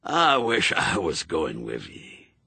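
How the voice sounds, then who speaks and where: A man voicing an old, zealous male witchfinder sergeant who barks orders in a gruff, pompous way. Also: very deep voice, wildly swooping pitch, takes it slowly, pushed and bright, dry recording, pitched below the performer's own voice, full character voice. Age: older.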